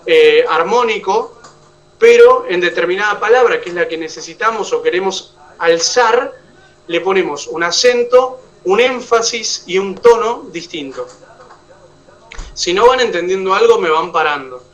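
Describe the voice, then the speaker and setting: A man's voice: high-pitched, expressive, a little slow, fairly bright tone, recorded from a distance, highs cut off. A man with an Argentine accent teaching an oratory class, explaining step by step and checking that his students follow. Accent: Argentine Spanish. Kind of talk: online class lecture.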